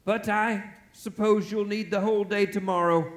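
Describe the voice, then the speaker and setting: A man's voice: high voice, fairly even intonation, moderate pace, lightly acted. A man playing a grumpy, miserly old businessman in a stage radio play, curt, scolding and theatrical. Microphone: shared stage microphone. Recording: live stage recording with music.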